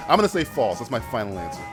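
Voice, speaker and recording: A man hosting a podcast in casual, profane banter, excitable and laughing often. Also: fairly low pitch, brisk, loud music behind the voice. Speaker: podcast host.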